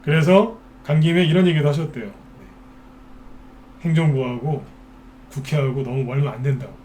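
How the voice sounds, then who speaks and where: A man's voice: on the high side, fairly even intonation, normal speed, warm tone, a little hiss or hum. A man hosting a stock market broadcast, talking casually and firing off rhetorical questions, often mimicking worried investors. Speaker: stock market expert host.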